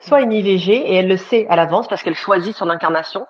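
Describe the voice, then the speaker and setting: A woman at middle pitch hosts a live online interview as a love coach. She talks in a chatty way, pausing on fillers. Her voice comes through dull and lo-fi. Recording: dull lo-fi sound.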